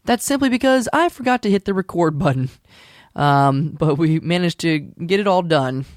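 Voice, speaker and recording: Female podcast host, low register, casual explanatory introductions, dry recording. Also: animated, moderate pace, no echo. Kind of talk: casual scripted show introduction.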